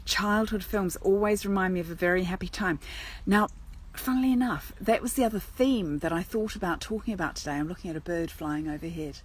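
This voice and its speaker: A woman's voice: lowish voice, a little fast, husky. Chatty woman thinking aloud outdoors. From New Zealand. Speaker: agony aunt hosting a live Q&A. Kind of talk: casual live stream chat. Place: outdoors in a churchyard.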